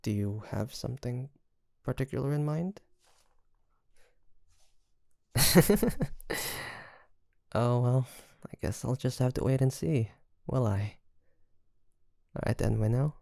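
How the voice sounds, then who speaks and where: A performer playing a teasing, easily flustered pirate captain in an intimate ASMR roleplay, speaking haltingly with sighs and soft laughs. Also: medium pitch, gravelly, no echo, clean studio sound. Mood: flustered, coy.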